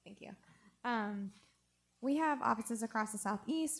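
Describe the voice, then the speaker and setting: The pace of this woman's speech is fairly quick. There is some breathiness in her voice. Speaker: urban planning consultant. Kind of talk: presentation. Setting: city council meeting.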